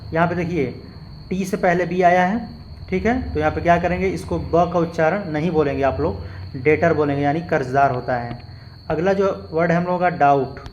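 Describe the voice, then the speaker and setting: Teacher, male, slightly raised pitch, patient explainer who spells words letter by letter, faint background hiss. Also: darkish tone, muffled recording. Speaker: English teacher. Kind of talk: spoken lesson with spelled-out examples.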